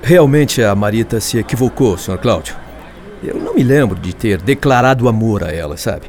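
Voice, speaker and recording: Um ator brasileiro de radionovela interpretando um rapaz dissimulado, que se justifica com falsa candura. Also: male voice, on the low side, expressive, a little fast, gravelly, darkish tone, faint music behind. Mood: self-justifying, smitten. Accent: Brazilian. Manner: hesitant, self-justifying, feigned candour. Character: smug, coldly pretending young man, son of wealthy family. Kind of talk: radio drama acting.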